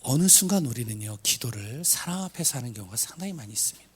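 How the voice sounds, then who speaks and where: A hoarse man preaching a sermon, asking rhetorical questions and swinging from loud cries to hushed asides, stumbling over words now and then. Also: mid-range voice, lively intonation, fast.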